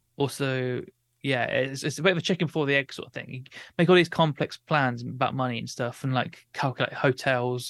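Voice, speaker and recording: On a very clean recording with a silent background, a man with an English accent talks at a very fast pace in a medium pitch. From England. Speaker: reptile researcher and content creator. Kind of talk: casual interview.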